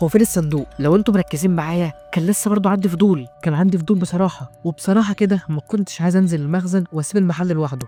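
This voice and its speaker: Speaking with an Egyptian accent, a man talks very fast and high-pitched, with ordinary pitch variation and hardly any pauses, over music in the background. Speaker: horror storyteller. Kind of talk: first-person horror story narration. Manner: casual, conversational.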